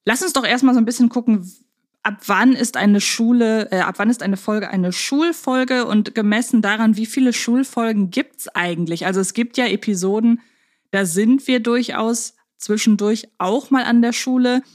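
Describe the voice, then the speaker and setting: A woman's voice: a little high, moderate pace. A woman co-hosting a podcast in a casual, humorous, chatty style. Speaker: podcast host.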